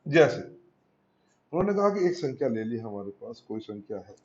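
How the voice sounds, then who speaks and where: A man's voice: mid-range voice, very animated, normal speed. A male school maths teacher giving a patient classroom lesson, asking and answering his own questions and calling his students "beta", with Indian English number words. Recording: roomy, dull lo-fi classroom recording.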